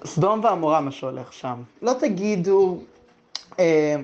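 A man in his twenties telling a casual personal anecdote as a guest, lively and quick, chuckling between phrases. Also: high voice. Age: 20s. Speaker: guest storyteller. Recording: slightly dull lo-fi recording.

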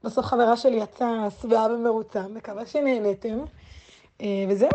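A woman in her twenties telling a casual personal anecdote as a guest, unhurried and full of hesitant fillers. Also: on the high side, steady tone, dark tone. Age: 20s. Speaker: guest storyteller. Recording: slightly dull lo-fi recording.

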